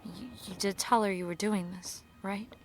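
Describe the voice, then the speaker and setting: A woman's voice: medium pitch, steady tone, faint music behind, natural voice. A woman playing an exasperated, anxious campaign staffer who sounds hurt and agitated, in a naturalistic audio drama. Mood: hurt, dismayed. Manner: agitated, sarcastic, halting and repeating herself.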